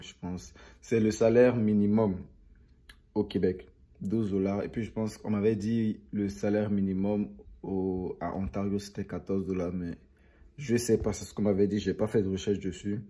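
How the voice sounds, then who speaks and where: Young man, low mellow voice, slightly husky, casual rambling vlog chat, repeats himself. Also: fairly even intonation, moderate pace. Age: young adult. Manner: rambling, repeats phrases for emphasis. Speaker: vlogger.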